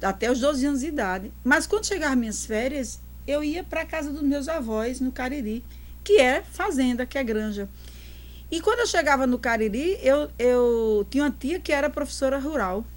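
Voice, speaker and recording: The woman's pitch is high and her intonation lively. She talks at a moderate pace. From Paraíba, northeastern Brazil (João Pessoa). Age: 60s. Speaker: psychologist and human rights educator. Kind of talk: interview testimony. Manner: halting, with frequent repetitions.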